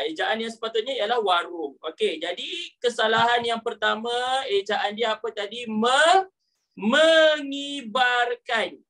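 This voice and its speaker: A man's voice: high-pitched, pushed and bright. A male teacher giving a live online lesson, chatty and joking, with frequent "ah" fillers between points.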